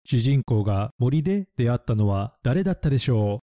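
A man narrating a bilingual lesson, explaining English words slowly and spelling them out letter by letter. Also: medium pitch, very animated, mellow, a little hiss or hum.

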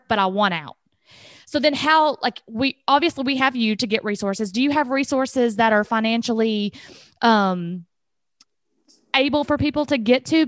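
A woman's voice: fairly high pitch, fairly bright tone, no room sound, studio quality. A woman in her thirties hosting a podcast, talking candidly and chattily, laughing easily. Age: 30s. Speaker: podcast host. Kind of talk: casual podcast conversation.

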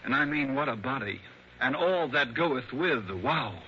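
A jovial insurance executive with a very bright, forceful edge to his chummy, knowing talk. The sound is muffled like an old radio broadcast, with a faint hiss behind. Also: medium pitch, expressive, measured pace. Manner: chummy, knowing, leering asides. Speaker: insurance company man. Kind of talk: 1960s radio drama acting.

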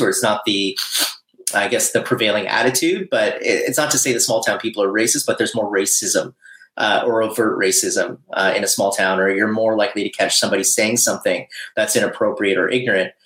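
A man's voice: on the low side, steady tone, moderate pace, a bit bright. A young man from Ontario, born in Bangladesh, speaking as a podcast guest in a thoughtful way, with many fillers and restarts. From Canada (Ontario), born in Bangladesh. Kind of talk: casual interview talk. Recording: echoey room.

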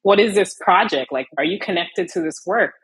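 Low raspy-ish young woman artist, laughs a lot, lots of likes, dry mic. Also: moderate pace, dry recording, poor audio. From Miami, USA. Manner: animated, laughs often, many fillers. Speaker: illustrator guest. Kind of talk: casual interview chat.

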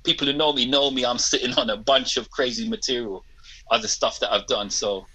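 A man's voice: mid-range voice, fairly quick, breathy edge. A man in his fifties with a London accent, talking casually as a guest rapper in an interview. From England. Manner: relaxed, says "man" often.

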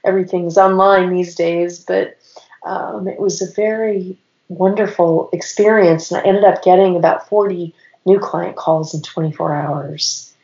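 Slightly raspy woman with a cold. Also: on the low side, fairly even intonation, a little slow, darkish tone. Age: 40s. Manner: rambling, stacks clauses with "and". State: has a cold. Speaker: podcast guest, business owner. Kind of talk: casual interview storytelling. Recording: roomy, dull lo-fi sound.

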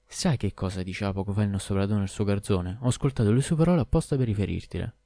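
A man's voice: on the low side, fast talker, warm tone, no echo, studio quality, lightly acted. A man voicing a talkative, scheming male donkey in an audiobook, speaking urgently and persuasively. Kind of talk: audiobook character voice.

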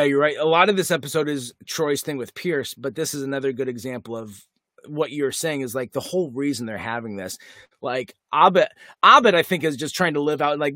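Man, podcast co-host, casual recap chat, animated, slightly high voice, dry close mic. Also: no echo. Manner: animated, retells scenes with quick asides.

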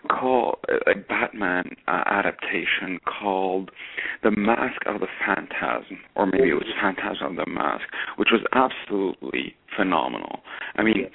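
A man's voice: fairly low pitch, creaky, breathy edge, narrow, tinny audio. A man in his thirties from Lebanon, a candid, self-deprecating guest in a podcast discussion.

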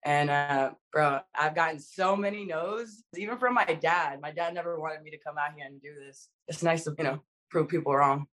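A young woman from the Dominican Republic, guest in an interview, talking in a casual, slangy, animated way. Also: low voice, normal speed, hardly any pauses. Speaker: actress guest.

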